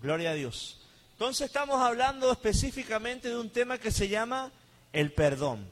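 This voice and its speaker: A man preaching and praying before a congregation, his voice pitched high and swinging between peaks and drops. His delivery is fervent and rhythmic. Long reverb from a church hall trails each phrase. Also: normal speed. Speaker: pastor. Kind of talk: livestreamed sermon with Bible reading and prayer.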